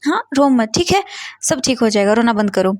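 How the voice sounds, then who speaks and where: A woman voicing a caring middle-aged father who gently coaxes his crying son to calm down. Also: fairly high pitch, a little fast, no echo, clean studio sound, lightly acted. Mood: soothing. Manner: gentle coaxing, repeating "beta". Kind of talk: storytelling in character.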